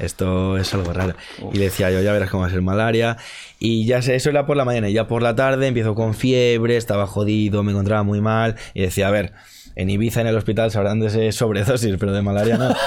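Speaking very fast, a man keeps a fairly low pitch, fairly even intonation and very even loudness. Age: 20s. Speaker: travel documentary YouTuber. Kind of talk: casual podcast conversation.

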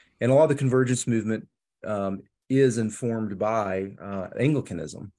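Against a quiet background, a man talks at a medium pitch and moderate pace with ordinary pitch variation. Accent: Southern US. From Alabama. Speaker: bishop and theology professor. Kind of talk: casual interview about theology.

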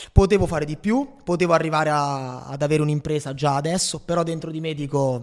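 In a plain, everyday voice, a man talks fairly quickly at a fairly high pitch, with hardly any pauses and fairly even intonation. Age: 20s. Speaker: TikTok creator and economics student. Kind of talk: casual chat.

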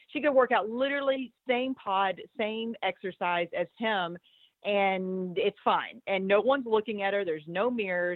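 A woman speaks in an ordinary speaking voice at a moderate pace, with medium pitch and ordinary pitch variation. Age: 40s. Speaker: gym owner and fitness coach. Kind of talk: casual chat. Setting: phone call.

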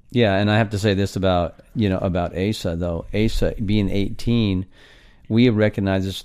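Fairly even intonation marks this man's unremarkable speaking voice. His pitch is fairly low and his pace moderate. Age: 50s. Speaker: football coach and father. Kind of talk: casual chat.

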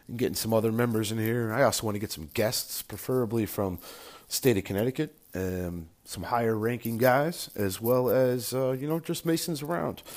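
The intonation here is lively. A man speaks at a moderate speed. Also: medium pitch for a man. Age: 30s. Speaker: podcast host, Freemason. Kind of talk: casual monologue. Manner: halting, many fillers.

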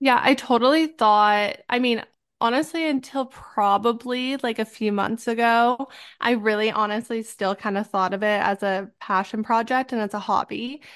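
A woman speaks at a moderate pace in a fairly high pitch, with ordinary pitch variation and an unremarkable speaking voice. The background is quiet. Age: 20s. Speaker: PhD student and clothing brand founder. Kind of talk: casual interview chat.

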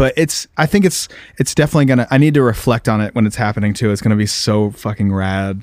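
A man with an American accent and a medium-pitched voice talks at a very fast pace with ordinary pitch variation, in a dry, close sound with no echo on a very clean recording with a silent background. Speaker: podcast host and singer. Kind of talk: casual chat. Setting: outdoors on a balcony. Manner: animated.

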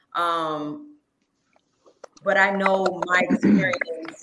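Speaking with an American accent, a woman has an ordinary speaking voice, fairly low pitch and ordinary pitch variation. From South Florida (North Miami), Haitian American. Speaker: singer-songwriter. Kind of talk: casual chat.

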